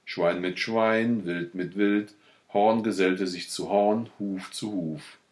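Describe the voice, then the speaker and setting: Deep-voiced man reading a literary audiobook. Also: fairly even intonation. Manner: measured storytelling. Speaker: audiobook reader.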